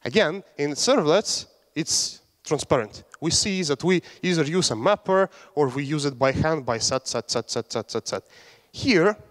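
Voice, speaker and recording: A man's voice: a little high, lively intonation, moderate pace, few pauses. A young man from Latvia giving a casual, joking technical talk on a conference stage, with fillers and restarts. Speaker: conference speaker. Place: large conference hall on stage. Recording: hall reverb.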